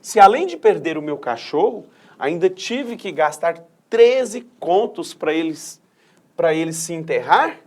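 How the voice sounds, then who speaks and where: A man's voice: on the high side, big pitch swings, unhurried, a little mellow. A man reading the lines of an indignant grieving woman from a play excerpt. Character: grieving woman complaining about costs.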